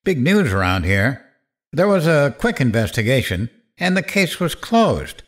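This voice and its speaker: An actor playing a cocky, vengeful late-night radio host, sardonic and goading, in dramatic narration and interview. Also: male voice, medium pitch, big pitch swings, measured pace. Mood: grim, accusing.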